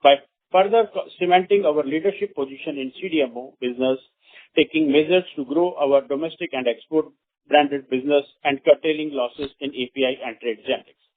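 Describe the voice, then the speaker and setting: A man's voice: a little high, fairly quick. A man with an Indian accent formally reads prepared company remarks on a conference call, stumbling now and then. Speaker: company executive. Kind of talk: scripted earnings call presentation. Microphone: phone conference call. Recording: narrow, tinny phone conference line.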